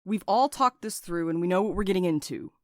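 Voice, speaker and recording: A woman's voice: fairly low pitch, a little fast, dry recording, clean studio sound, natural voice. A woman playing an angry, sarcastic, foul-mouthed rebel courier in an audio drama, blunt and defiant. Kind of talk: audio fiction acting.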